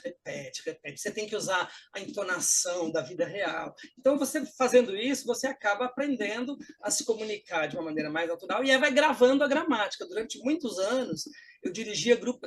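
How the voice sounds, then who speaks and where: Give me a Brazilian man with a breathy, raspy voice, explaining lively in a casual interview. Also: sits high. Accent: Brazilian Portuguese. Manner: animated explaining, with lively acted-out quotes. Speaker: guest, English teacher and actor.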